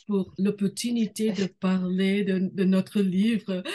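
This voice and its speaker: A woman talks with a non-native accent in a dark, mellow tone. Her voice is somewhat breathy, and her intonation stays fairly even. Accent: non-native French, rusty. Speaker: political scientist, professor. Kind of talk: academic presentation. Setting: video call.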